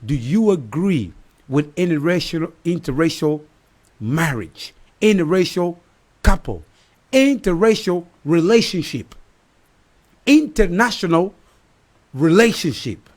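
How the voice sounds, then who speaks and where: A man's voice: fairly high pitch, very animated, a little slow, pauses often. Rambling talk show host, man. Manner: rambling with many fillers and restarts. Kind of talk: live online talk show.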